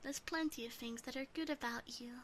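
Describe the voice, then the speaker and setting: A woman voicing a teasing, obsessive yandere demon sister in an ASMR roleplay, breathy and often whispering, gently doting and possessive. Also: fairly high pitch, fairly quick, slight background noise, lightly acted. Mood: gentle reassuring.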